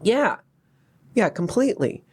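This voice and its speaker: A woman in her fifties from Hawaii tells her own story on a podcast. She talks candidly and with a wry, animated edge, and she keeps breaking off into asides. Her voice sits at a middling pitch. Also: a little slow, slightly rough. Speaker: podcast host. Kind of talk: personal storytelling chat.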